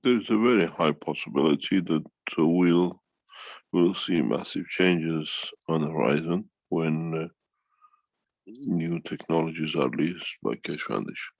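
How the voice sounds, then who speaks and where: A man giving an unscripted answer in a meeting, halting yet emphatic, often repeating phrases for weight. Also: a bass voice, vocal fry, dry recording. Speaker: foundation speaker answering questions. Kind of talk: unscripted talk, answering a question in an online meeting.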